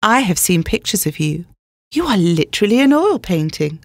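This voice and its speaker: A woman's voice: on the low side, very animated, moderate pace, no room sound, clean studio sound. A woman voicing a vain, lovestruck young male racehorse, gushing earnestly through a comic love letter. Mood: earnest, smitten. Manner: earnest, gushing, reading punctuation aloud.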